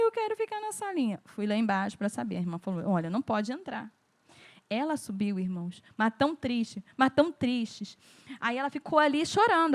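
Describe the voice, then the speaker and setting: High-voiced Brazilian woman teaching at church. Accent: Brazilian Portuguese. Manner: storytelling, acts out quoted voices. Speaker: children's ministry trainer. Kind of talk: church training talk.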